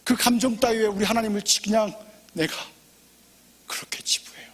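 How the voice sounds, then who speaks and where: Male pastor preaching, high lively voice, husky edge, long church reverb. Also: quick pace. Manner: impassioned, swings from loud pleading to hushed whispers. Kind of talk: sermon. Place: church sanctuary.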